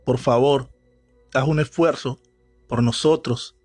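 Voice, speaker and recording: A man's voice: mid-range voice, steady tone, takes it slowly, darkish tone, no room sound, faint music behind. A man doing a pleading worried mother. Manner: urgent, pleading.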